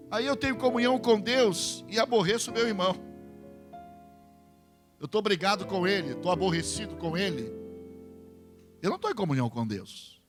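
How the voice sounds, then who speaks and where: A Brazilian man preaches to his congregation in a high, lively voice that leaps around, acting out little exchanges between church members. A guitar plays clearly behind him throughout the service. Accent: Brazilian Portuguese. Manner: tags lines with questioning "hã?". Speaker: pastor. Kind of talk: sermon. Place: church service with live music. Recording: church sermon over guitar music.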